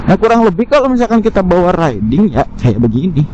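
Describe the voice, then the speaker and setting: Man, slightly high voice, chatty motovlogger, unscripted and slangy, dull muffled helmet mic, outdoors on a motorcycle. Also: very animated, fast. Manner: slangy, chatty, thinking aloud. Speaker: motovlogger reviewing gear. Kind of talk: casual unscripted review while riding. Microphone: helmet intercom microphone. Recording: muffled helmet intercom mic, loud vehicle noise. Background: road and engine noise.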